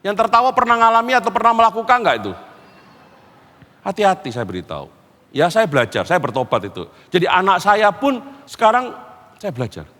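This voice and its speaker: A middle-aged man with a Surabaya Indonesian accent delivers a sermon, acting out conversations with his family. His voice sits high and leaps up and down constantly. A long reverb trails each phrase, as in a large church hall. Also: fairly quick. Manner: animated storytelling, acting out family dialogue. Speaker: pastor.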